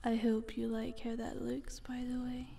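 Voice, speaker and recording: A sly, condescending eldritch monster, acted by a woman speaks in a very dark, velvety female voice with a crackle of fry. She drifts slowly between soft speech and breathy whisper. The tone is teasing and taunting, in an intimate ASMR roleplay style. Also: fairly high pitch, flat delivery, heavily acted. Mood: smug, commanding.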